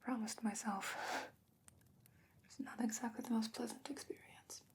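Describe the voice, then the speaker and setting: A woman playing a calm, knowing, secretive potion maker in a soft-spoken ASMR fantasy roleplay, whispering slowly and breathily with measured, hesitant pauses. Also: on the high side, breathy edge. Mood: conspiratorial, reluctant.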